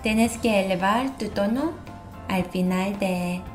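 A woman co-hosting a language lesson, repeating example words crisply. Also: medium pitch, darkish tone, soft background music. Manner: quick, crisp word repetition. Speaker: native-speaker co-host. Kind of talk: lesson drills.

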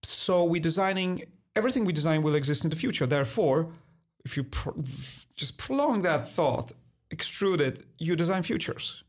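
A man in his forties who grew up in Poland and speaks English as a second language, answering interview questions in a thoughtful, halting way with many restarts. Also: a little high, expressive. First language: Polish. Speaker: guest, designer.

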